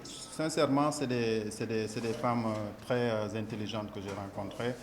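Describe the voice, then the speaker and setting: A man interpreting a speaker's words live, pausing and hesitating often. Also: lowish voice, steady tone, over music. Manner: hesitant, many fillers.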